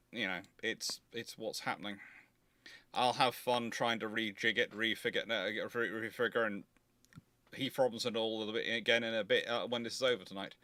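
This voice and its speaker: On a livestream devoted to naval history questions, the male host chats and answers casually, rambling and emphatic. His voice is fairly low, pushed and bright, with no room sound in the recording.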